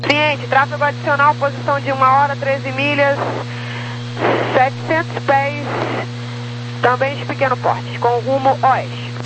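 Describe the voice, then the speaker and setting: A woman's voice: high voice, little pitch movement, measured pace. A Brazilian woman working as an air traffic controller, issuing clipped instructions over a crackly, military-style aviation radio. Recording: humming, noisy crackly radio transmission.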